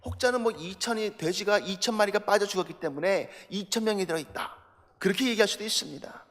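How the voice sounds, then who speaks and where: A middle-aged man preaching in a church, his fairly high voice carrying a long reverb through the sanctuary. He keeps putting rhetorical questions to the congregation and pushes up into forceful, emphatic runs. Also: fast. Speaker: pastor. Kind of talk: sermon.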